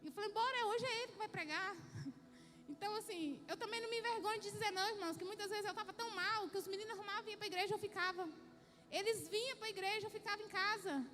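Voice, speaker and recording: High-voiced Brazilian woman testifying in church. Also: quick pace, pushed and bright. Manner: fervent, repetitive, emphatic. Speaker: church member giving testimony. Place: church hall. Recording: reverberant church hall.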